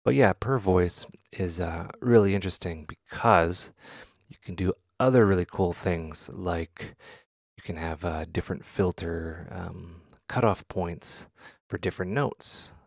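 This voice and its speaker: A man talks casually through a software demonstration in a low voice with plenty of vocal fry. He hesitates and thinks aloud as he goes. The sound is dry and close, with very little room. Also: a little slow, dry recording. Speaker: tutorial host. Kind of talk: casual software tutorial talk.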